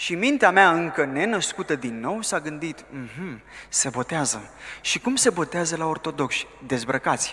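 Fairly high-pitched male speech at a fairly slow pace, with very wide pitch swings. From Romania, Bucharest. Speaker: guest preacher. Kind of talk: sermon.

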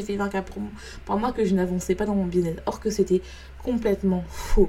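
A woman's medium-pitched, an ordinary speaking voice at a moderate pace. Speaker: podcast host and life coach. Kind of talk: solo podcast monologue.

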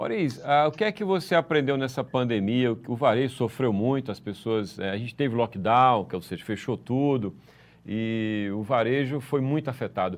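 A man with a normal speaking voice holds a medium pitch, showing ordinary pitch variation at a moderate pace. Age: 40s. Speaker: TV interviewer. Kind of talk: interview. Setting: TV studio.

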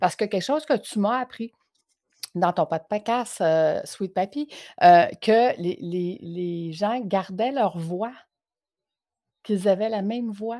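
Someone with a Quebec accent speaks at a very slow pace, with ordinary pitch variation. Long, frequent pauses break up the speech. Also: woman, medium pitch for a woman. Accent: Québécois. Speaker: podcast host and business coach. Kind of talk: promotional pitch; casual interview chat.

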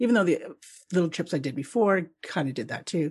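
A somewhat breathy woman's voice, fairly low in pitch, with a Canadian accent and a quiet background. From Ontario, Canada. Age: 50s. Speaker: traveller. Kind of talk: casual chat. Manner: animated.

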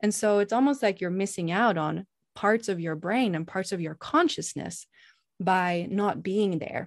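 Against a quiet background, a woman with a Swedish accent speaks at a fairly slow pace and medium pitch, with ordinary pitch variation. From Sweden. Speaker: sex and birth coach. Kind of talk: interview.

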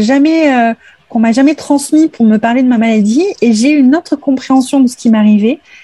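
The voice is a woman's, pitched high. Its tone comes across dark and mellow. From French islands. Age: 30s. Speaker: business coach and entrepreneur. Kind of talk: casual interview chat.

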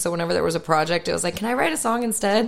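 Speaking very fast in an American accent, a woman uses medium pitch and ordinary pitch variation over noticeable background noise. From Southern California, Rancho Cucamonga. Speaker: country singer-songwriter. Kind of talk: casual interview. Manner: casual, laughs often.

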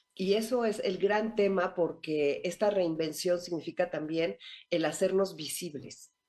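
A woman's fairly low, dark and mellow voice in a Mexican accent, fairly slow in pace, with ordinary pitch variation. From Mexico City. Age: 60s. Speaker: journalist and writer. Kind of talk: interview.

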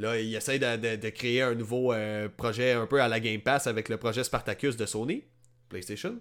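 A man talks at a moderate pace in a Quebec accent. The recording is very clean, with a silent background. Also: medium pitch for a man. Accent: Québécois French. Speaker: gaming podcast host. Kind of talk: casual chat. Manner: animated.

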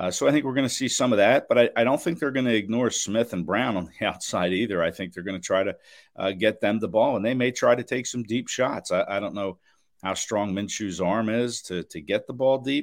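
A normal speaking voice from a man at medium pitch, with ordinary pitch variation, a fairly quick pace and hardly any pauses, on a very clean recording with a silent background. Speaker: football analyst. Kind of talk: casual chat.

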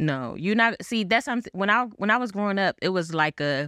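A woman talks at a fairly quick pace in a bright, sharp, animated tone with very wide pitch swings, the sound dry and close with no echo. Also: quiet background. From West Philadelphia. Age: 30s. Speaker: podcast host. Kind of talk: casual interview chat.

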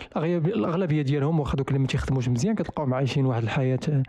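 Noticeable background noise sits under a man talking at a very fast pace with ordinary pitch variation. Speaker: podcast host and music producer. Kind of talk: casual podcast chat.

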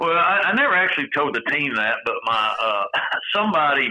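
A man's lively intonation at a fairly quick pace. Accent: Appalachian. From East Tennessee. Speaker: college football head coach. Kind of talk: interview.

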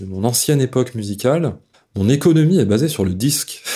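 A normal speaking voice with lively intonation comes through on a very clean recording with a silent background. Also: man. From France, Dauphiné countryside. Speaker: singer-songwriter. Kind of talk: interview.

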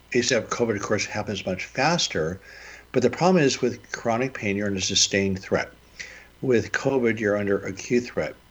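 Delivered at a moderate pace with ordinary pitch variation, this is a plain, everyday voice. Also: man. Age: 60s. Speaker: orthopedic surgeon and author. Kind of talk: interview.

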